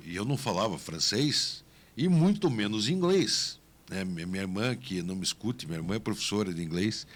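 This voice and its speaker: A man hosting a radio interview, chatty and fond of anecdotes. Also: lowish voice. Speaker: radio host.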